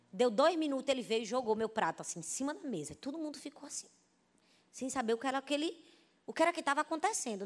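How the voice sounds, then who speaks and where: A Brazilian woman pastor preaching a sermon, telling stories with lively, animated delivery and often turning to the congregation. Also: on the high side. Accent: Brazilian Portuguese. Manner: animated storytelling, addresses the congregation as "gente". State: pregnant.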